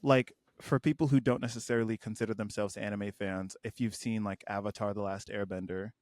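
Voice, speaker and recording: A man's voice: lowish voice, fairly even intonation, a little fast, a little mellow, no echo. A man in his twenties chatting casually on a podcast, playful and emphatic, sometimes mock-preachy. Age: 20s. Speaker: guest co-host.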